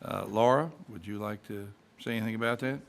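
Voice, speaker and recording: A man chairing a county fiscal court meeting, speaking in a measured, procedural way with halting fillers. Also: on the low side, vocal fry, slight background noise. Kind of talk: formal public meeting.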